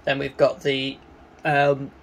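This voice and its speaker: A man giving a casual, hands-on synthesizer demonstration, talking in a halting way as he works. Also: medium pitch, monotone, loud music behind the voice. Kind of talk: casual hands-on gear demo commentary. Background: synthesizer tones.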